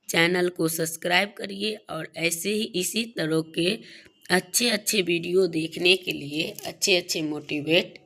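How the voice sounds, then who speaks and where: A woman with a slightly hoarse throat hosts a devotional advice talk, speaking to viewers as friends in a halting, repetitive way. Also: on the low side, slight background noise. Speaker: YouTube channel host.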